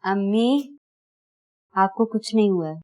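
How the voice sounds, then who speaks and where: A woman with a Pakistani Urdu accent playing a sharp-tongued daughter-in-law who answers back curtly and defensively. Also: medium pitch, slow pace, lightly acted. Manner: curt, defensive.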